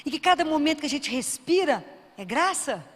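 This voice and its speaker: A woman preaching a sermon with a Brazilian accent. She asks her audience questions and answers them herself, and drops to a hushed voice for prayers and key points. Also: high-pitched, sing-song, a little fast. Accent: Brazilian Portuguese. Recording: long hall reverb.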